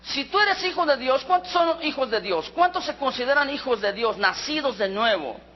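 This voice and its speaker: High-voiced Mexican pastor preaching in a hall. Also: male voice, expressive, moderate pace, slight background noise. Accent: Mexican Spanish. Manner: asks the congregation frequent rhetorical questions. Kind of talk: sermon. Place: church hall. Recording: reverberant hall with dull sound.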